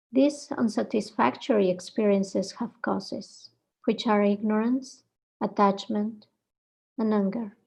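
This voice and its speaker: A woman leading a guided meditation, speaking gently in short phrases with reflective pauses between them. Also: fairly high pitch, creaky.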